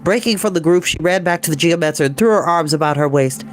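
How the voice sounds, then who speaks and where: A man reading a children's fantasy novel aloud as an expressive storyteller. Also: on the high side, fast talker, soft background music. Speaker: storybook reader. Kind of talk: expressive scripted narration.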